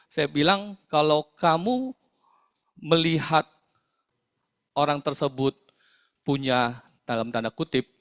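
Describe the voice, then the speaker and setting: Guy team leader, middle pitch, chatty motivational storytelling, lots of fillers, dry sound. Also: no echo. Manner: conversational, many fillers and tag questions. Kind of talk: motivational talk with stories.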